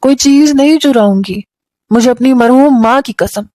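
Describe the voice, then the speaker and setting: A woman's voice: high-pitched, moderate pace, warm tone, dry recording, voice pushed up, close to an everyday voice. A woman voicing a frightened young runaway woman who pleads and implores for help. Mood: pleading.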